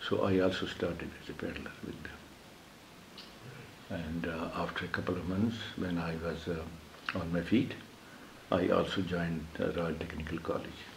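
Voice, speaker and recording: Amid audible room echo, a man with a very deep, low pitch and fairly even intonation speaks at a moderate pace, leaving long, frequent pauses. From Punjab, Pakistan. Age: 80s+. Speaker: retired councillor and community figure. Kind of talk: oral history interview. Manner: halting, with many fillers.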